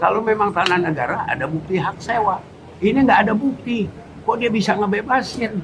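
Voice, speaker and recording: A man with a high voice speaks at a fairly quick pace, his pitch varying in an ordinary way. Noticeable background noise runs underneath. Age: 80s+. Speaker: land heir in a dispute. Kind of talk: interview testimony. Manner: halting.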